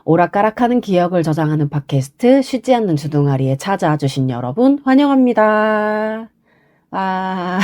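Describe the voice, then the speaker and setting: A woman's voice: on the low side, mellow. Woman with a stuffed-up nasal voice. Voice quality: heavily congested, stuffed-nose nasal voice. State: has a cold, sniffling and throat-clearing. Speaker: podcast host. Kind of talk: casual solo podcast monologue.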